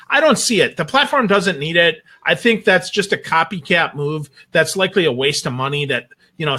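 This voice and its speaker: A man with a rather high, sharp-toned voice appears as a guest on a casual panel chat, offering blunt, emphatic opinions. He's a sales trainer and marketer who keeps checking in with rhetorical questions.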